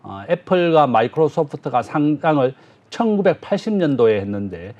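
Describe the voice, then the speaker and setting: A man with a fairly high, very animated voice explains markets as a guest professor, pausing often on filler sounds. The recording sounds dull and lo-fi. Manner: measured and explanatory, frequent "uh" fillers. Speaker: business professor, guest analyst. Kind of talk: explanatory economic commentary.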